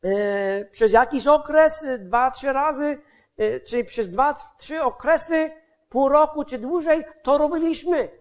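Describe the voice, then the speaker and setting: A man giving a personal testimony as a street evangelist, speaking haltingly and often stopping to search for words and restart. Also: very high voice.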